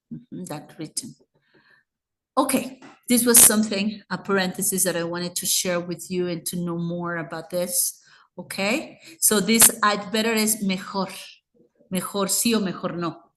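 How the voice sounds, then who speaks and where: A woman's voice: on the low side, fairly even intonation, a little slow, background noise. A woman with a Mexican Spanish accent teaching an English grammar class, explaining patiently and switching between Spanish and English. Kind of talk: bilingual grammar lesson.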